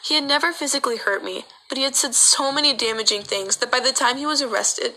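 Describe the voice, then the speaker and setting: A woman narrating a personal story as a voice-over, telling it in an earnest, steady way. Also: a little high, rough recording.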